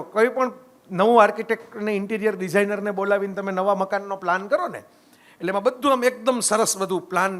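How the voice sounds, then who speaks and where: A man's voice: sits high, a bit bright. A middle-aged man, giving a conversational lecture that mixes stories with reflection and often checks in with the audience. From Gujarat, India. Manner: conversational, keeps asking "right?" to the audience. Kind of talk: storytelling public talk.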